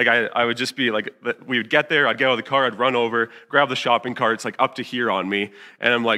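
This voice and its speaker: This is a man with a normal speaking voice. His pitch sits in the medium range. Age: 20s. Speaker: youth pastor. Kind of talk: sermon. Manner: casual, many filler words.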